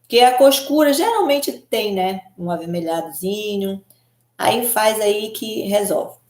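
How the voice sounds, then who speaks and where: A woman hair color specialist from Belém speaks in a loose, giggly, conversational way and keeps tossing tag questions at her viewers. Her voice sits at an ordinary middle pitch. The room around her rings with a noticeable echo. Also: lively intonation, unhurried, darkish tone. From Belém do Pará, Brazil. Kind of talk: casual live chat answering viewers.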